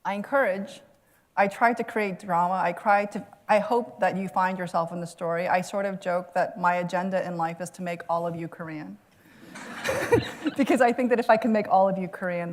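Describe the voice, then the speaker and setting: A woman's voice: on the low side, steady tone, moderate pace. A woman author answering an audience question at a lecture, earnest and reflective, laughing now and then. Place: lecture hall.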